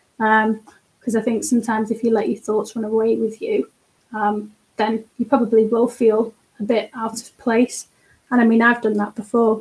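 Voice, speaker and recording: Her voice somewhat breathy and fairly high-pitched, a woman speaks at a moderate pace with monotone, flat intonation. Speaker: procurement executive. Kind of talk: interview conversation.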